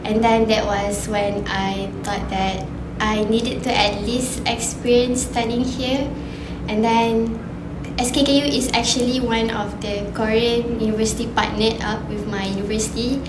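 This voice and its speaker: Twenty-year-old woman, exchange student, very slow relaxed speech, echoey room. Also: a little high, background noise. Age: 20s. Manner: slow, chatty, laughs easily. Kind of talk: casual interview answers.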